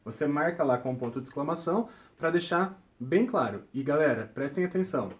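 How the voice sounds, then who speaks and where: A young man walks students through a grammar lesson. His voice sits somewhat high for a man, and he checks in with the class after nearly every point. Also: animated, brisk. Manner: ends points with check-in tags like "tudo bem?". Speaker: teacher.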